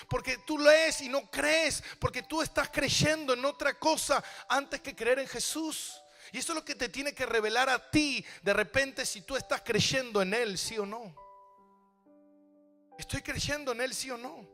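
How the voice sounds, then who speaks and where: A man's voice: extremely high pitch, sharp tone. A man pastor preaching a sermon, asking rhetorical questions and repeating phrases for emphasis. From Argentina.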